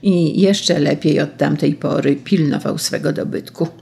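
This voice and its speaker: A storyteller telling an old folk tale in a steady, measured way. The voice is gravelly, with a husky edge. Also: mid-range voice.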